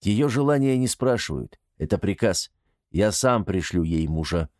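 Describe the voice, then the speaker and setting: A man's voice: on the low side, expressive, moderate pace, warm tone, no echo. A man voicing a proud, stern tribal chief in an audiobook, giving orders in a dry, harsh and emphatic way. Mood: commanding.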